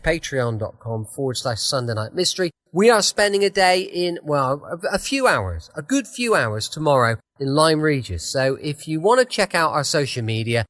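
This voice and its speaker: A man's voice: on the high side, fairly bright tone, no echo. A man hosting a radio show in a chatty style. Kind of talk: chatty podcast sign-off.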